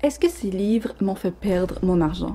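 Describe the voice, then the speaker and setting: A woman speaks with a Quebec accent at a medium pitch. Her tone is dark and mellow, with vocal fry. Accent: Québécois. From Quebec, Canada. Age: 20s. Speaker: book reviewer. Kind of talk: casual talk to camera.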